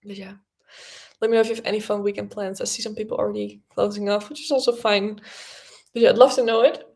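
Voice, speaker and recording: A woman's voice: medium pitch, steady tone, fast talker, gravelly, darkish tone. Young woman host, native Dutch speaker, loose chatty delivery with fillers and restarts. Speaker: podcast host. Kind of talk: casual livestream chat.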